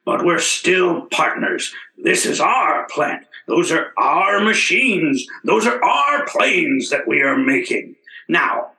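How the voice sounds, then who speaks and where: An actor playing a smooth-talking, manipulative factory boss in theatrical old-time radio comedy style. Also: male voice, on the high side, sing-song, slow, pushed and bright, heavily acted. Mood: lofty, persuasive. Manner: theatrical, oratorical. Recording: roomy, echoing recording.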